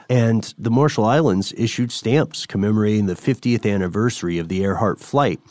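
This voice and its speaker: A man's voice: on the low side, darkish tone, no room sound, clean studio sound. A man hosting a podcast, moving between conversational explaining and ad reads. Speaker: podcast host.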